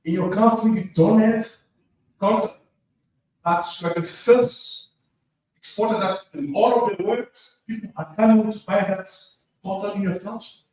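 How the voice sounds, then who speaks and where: A man from DR Congo with a Congolese French accent speaks halting English in an impassioned speech from the audience floor, repeating phrases for emphasis. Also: high-pitched, a little mellow. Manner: halting, non-fluent English with repetition for emphasis. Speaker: audience member at a conference. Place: large indoor conference room. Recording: very echoey hall, distant mic, faint noise.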